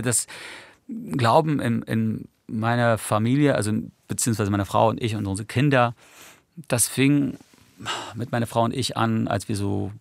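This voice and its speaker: A man's voice: medium pitch, creaky, no room sound. A man whose first language is English, a musician guest in a radio studio interview, talking reflectively and rambling with many tag questions.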